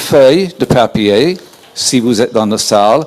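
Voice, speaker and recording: An American-accented man at a very slow pace, lively in intonation, over noticeable background noise. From United States. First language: English (speaking French). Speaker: moderator. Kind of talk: event moderation. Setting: hall with audience, streamed on Zoom. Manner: halting.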